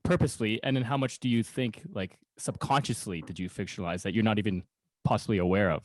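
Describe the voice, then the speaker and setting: A man's voice: fairly low pitch, fast talker, no room sound. A man hosting a casual interview, rambling a little as he searches for words. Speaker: podcast host.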